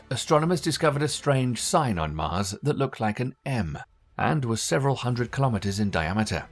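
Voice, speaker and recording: A man reading a scripted documentary narration in a measured, even storytelling manner. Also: lowish voice. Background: faint background music.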